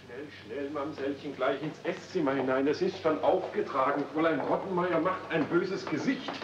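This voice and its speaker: An actor playing a dignified, good-natured manservant in a 1970s radio play, speaking formally with slight bemusement. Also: male voice, a little high, moderate pace, close to an everyday voice. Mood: urgent, hushed. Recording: dull, faintly noisy old cassette recording.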